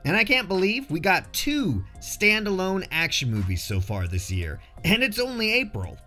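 A man's voice: high voice, big pitch swings, moderate pace, bright, forceful tone, soft background music. A man narrating a casual scripted film review in a jokey, slangy way.

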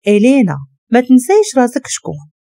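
A woman's voice: fairly high pitch, huge pitch swings, fast, warm tone, no echo, clean studio sound, pitched above the performer's own voice. A woman voicing a stern, cold man under arrest, with a Moroccan accent and a curt, commanding manner.

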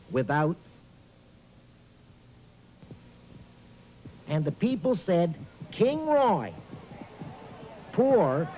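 Animated, high-voiced talking boot. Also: male voice, full character voice, low-quality recording. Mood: theatrical. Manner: hesitant, hammy, addresses young viewers directly. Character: talking boot puppet, eager fussy children's host. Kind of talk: children's reading lesson, playful recitation.

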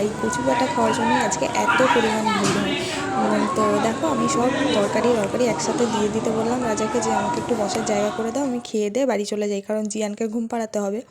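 A woman vlogger chatting casually to her viewers, narrating her day in a friendly, talkative way. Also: fairly high pitch. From Bengal. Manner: talks softly so the child keeps sleeping. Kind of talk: casual vlog voice-over.

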